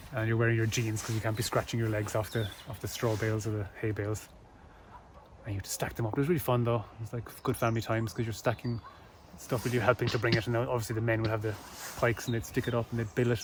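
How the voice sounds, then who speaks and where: A man at a very fast pace and medium pitch with a strong Irish accent, monotone, flat intonation and noticeable background noise. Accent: thick Irish. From rural Ireland. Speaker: podcast co-host. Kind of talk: casual chat.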